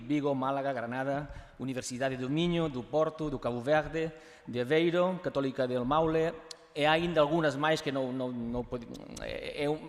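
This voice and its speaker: A man with a Catalan accent giving a conference presentation, halting through fillers and restarts as he drifts between languages. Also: mid-range voice. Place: university conference hall. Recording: reverberant hall.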